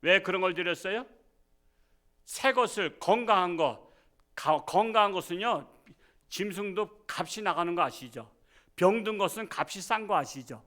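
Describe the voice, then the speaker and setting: A man's voice: high voice, normal speed. A man preaching a sermon as pastor, leading scripture reading and pressing his point with rhetorical questions and acted-out voices. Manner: leads congregation in reading scripture aloud, then explains with rhetorical questions; acts out quoted voices with sudden loud raised lines.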